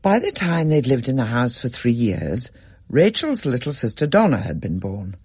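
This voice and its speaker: Man reading a story aloud, husky voice, pitch rising and falling a lot, dry close sound. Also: no echo. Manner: measured storyteller, expressive. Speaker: narrator. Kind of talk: scripted story narration.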